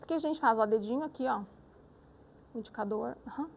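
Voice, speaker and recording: A woman speech therapist giving a live lecture with voice exercises, animated and demonstrative, often checking in with the audience. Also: a little high, brisk, creaky, slight background noise.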